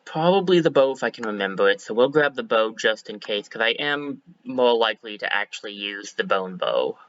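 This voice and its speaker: A slightly hoarse man streaming a game, chatting casually and thinking aloud as he corrects himself. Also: fairly low pitch, animated, a little fast, a bit bright, no room sound, highs cut off. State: a bit hoarse. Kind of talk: casual let's-play commentary.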